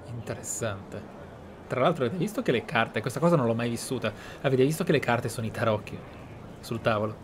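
A man with an Italian accent gives reflective, discursive let's play commentary as a gaming commentator. His mid-range voice runs a little fast, with a little hiss or hum, and game ambience sits faintly behind it.

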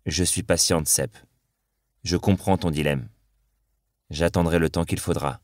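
A man reading the lines of a patient, loving young woman in an audiobook, in a soft, earnest way. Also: sits low, fairly even intonation, unhurried, no room sound, clean studio sound. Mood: tender.

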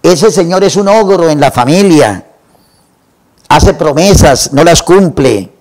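A man retelling a classic novel for a literature program, in a measured way and lingering over lists. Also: on the high side, animated, darkish tone. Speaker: literature presenter.

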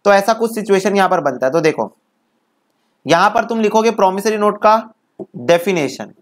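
A man's voice: sits high, lively intonation, moderate pace. Man drilling legal definitions phrase by phrase. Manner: drills definitions phrase by phrase, asks students to repeat; questions and answers himself. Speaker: teacher. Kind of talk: exam-prep law lecture.

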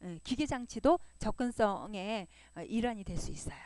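A woman's voice: medium pitch, expressive, normal speed, darkish tone, dry recording. A woman teaching a web design lesson over a screen recording, patient and repetitive, often checking in with her listeners. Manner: patient, repeats points and checks in with "그죠?". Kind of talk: screen-recorded coding tutorial.

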